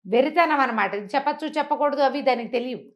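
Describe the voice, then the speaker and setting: A woman's voice: high-pitched, fast. A woman telling a folk story informally, in a conversational way with explanatory asides and rhetorical questions.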